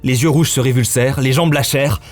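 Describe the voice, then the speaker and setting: A man's voice: mid-range voice, steady tone, fairly quick. A man reading scripted, dramatic story narration as the narrator.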